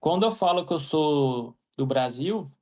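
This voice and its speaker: Speaking as an interview guest, this young agronomist from Mato Grosso, Brazil, now based in Ireland, answers in a relaxed way with many fillers, restarts and "né?" tags. His Brazilian Portuguese comes in a voice on the high side, animated, unhurried and a little mellow.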